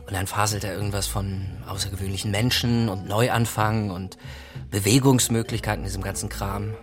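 A man's voice: fairly low pitch, fairly even intonation, moderate pace, faint music behind, close to an everyday voice. Man playing a fired journalist, insistent, indignant, radio drama. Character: agitated young male journalist, indignant.

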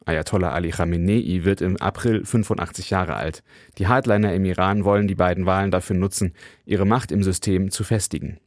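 A man reading a scripted radio news report in an even, formal manner, also voicing translations of interviewees. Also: deep voice, brisk, no room sound, clean studio sound. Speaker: radio correspondent.

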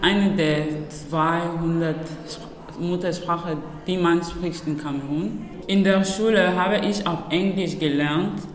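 A woman's voice: lowish voice, steady tone, takes it slowly, slight background noise. A woman from Cameroon whose first language is Banzo, answering interview questions in German, laughing and searching for words. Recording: echoey room with faint ambience.

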